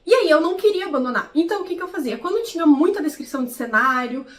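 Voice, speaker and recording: A woman's voice: very high voice, expressive, fast. A young woman vlogging casually about books in a chatty, explanatory way, often checking in with her viewers. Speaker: book vlogger. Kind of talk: casual vlog commentary.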